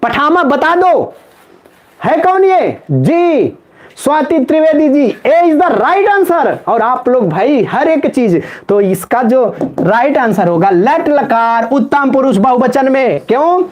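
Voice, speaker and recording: A man's voice: very high voice, big pitch swings, takes it slowly. A man teaching Sanskrit in a live online exam-prep class, chanting word forms in a sing-song rhythm and joking with viewers in the chat. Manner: playful, banters with viewers in chat.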